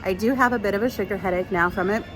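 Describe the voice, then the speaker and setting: A woman's voice: mid-range voice, racing, over music. A woman chatting casually in a vlog, rambling with fillers, sometimes stuffy from allergies. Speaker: vlogger. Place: theme park, outdoors and at home.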